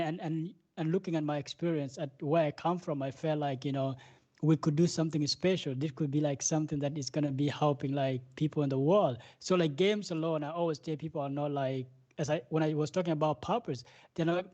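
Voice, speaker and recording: Higher-voiced East African man. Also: darkish tone. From South Sudan and northern Uganda. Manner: repeats words and phrases as he builds a thought. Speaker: guest game developer. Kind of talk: conversational interview answers.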